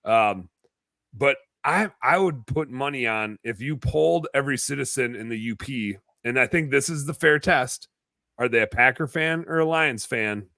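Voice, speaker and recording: A man hosting a podcast, laid-back and joking as he reads listener comments aloud. His voice is bright and tense, recorded close and dry on a studio mic. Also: medium pitch, normal speed, no echo. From Wisconsin. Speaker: podcast host. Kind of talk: casual chat.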